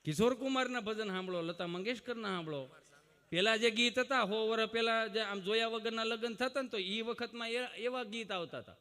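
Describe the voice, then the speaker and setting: A man tells folk comedy stories from a stage, high-voiced and very bright. He lectures his audience in a folksy, preachy way and breaks into mock shouts. His voice rings with a long hall reverb. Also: normal speed. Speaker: comic storyteller.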